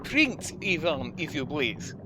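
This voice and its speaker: A woman voices a royal frog prince in a fantasy comedy. The delivery is formal and pompous, with hugely varied intonation, over clearly audible watery noise. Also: deep voice, sing-song, takes it slowly, exaggerated voice. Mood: formal, strained. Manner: formal, haughty, courteous. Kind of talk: fantasy comedy audio drama. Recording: noisy watery background, off-mic phone call.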